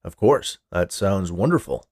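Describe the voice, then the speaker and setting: Man as haughty, short-tempered corporate boss, gravelly. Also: deep voice, sing-song, unhurried, darkish tone, no echo, studio quality, exaggerated voice. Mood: forced sweetness. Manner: haughty, falsely gracious or snapping.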